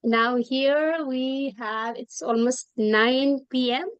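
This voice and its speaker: A woman from Nepal speaks hesitantly on a video call, filling her pauses with many "um"s. Her voice is smooth and fairly high. The sound is dry and close. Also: fairly even intonation, dry recording. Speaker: first-time meeting guest. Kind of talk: casual online meeting comments.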